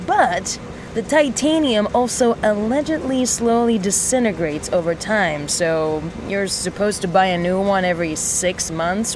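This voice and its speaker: A woman playing a sardonic mechanic in a sci-fi audio drama, rambling to a listener with mock-solemn, theatrical pauses. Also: fairly low pitch, background noise. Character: sardonic, rambling young female mechanic in an underground resistance.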